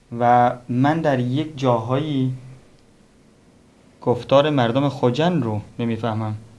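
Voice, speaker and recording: A man with a Tajik accent speaks at a medium pitch and a very slow pace. His intonation stays fairly even, broken by long, frequent pauses. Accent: Tajik Persian. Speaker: TV host. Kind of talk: interview discussion.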